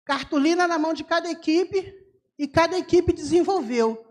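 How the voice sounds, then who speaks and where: A woman missionary speaking in a church service, telling her story with lively voice imitations. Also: extremely high pitch, normal speed. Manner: animated storyteller, mimics voices of locals. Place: church sanctuary.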